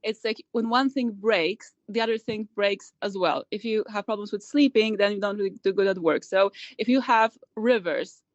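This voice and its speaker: A woman's voice: medium pitch, normal speed, hardly any pauses, no room sound. A woman company founder answering interview questions in a rush, with many repeated words and restarts. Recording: dry, dull lo-fi call audio.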